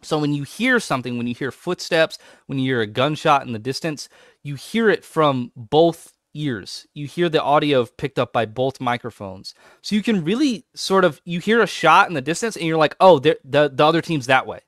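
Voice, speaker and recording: A man's voice: on the high side, normal speed, no echo, studio quality. A man co-hosting a podcast in casual chat, talking with growing enthusiasm. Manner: enthusiastic, animated when excited. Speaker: podcast co-host.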